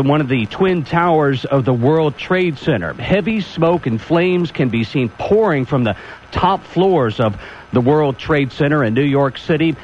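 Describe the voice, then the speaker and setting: A man anchoring a breaking news bulletin on local radio, speaking in a measured, steady way, heard with a tinny sound like a clock radio. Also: on the high side. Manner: measured, steady delivery with a few restarts. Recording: dull lo-fi radio broadcast with faint hiss.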